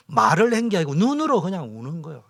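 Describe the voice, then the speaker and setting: A middle-aged male pastor, preaching a training lecture, swinging from loud exhortation to whispers. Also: a little high, wildly swooping pitch, fast talker. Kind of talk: sermon-style training lecture.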